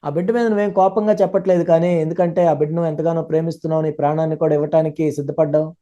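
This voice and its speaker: A man interprets a sermon live at a rapid clip. His tone is dark and mellow, and his pitch sits a little high for a man. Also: flat delivery, lo-fi sound. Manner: rapid, fluent, running sentences together.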